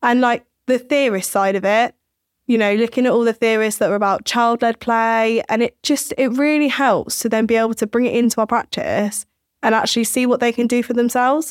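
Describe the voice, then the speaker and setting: A woman's unremarkable speaking voice, fairly high-pitched and fairly quick, with fairly even intonation and very even loudness. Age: 20s. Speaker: newly qualified early years educator. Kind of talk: casual chat.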